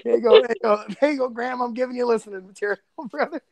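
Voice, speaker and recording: A man's voice: very high voice, very fast, vocal fry. A man chatting casually as a podcast co-creator, rambling and repeating his phrases as he goes. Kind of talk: casual chat.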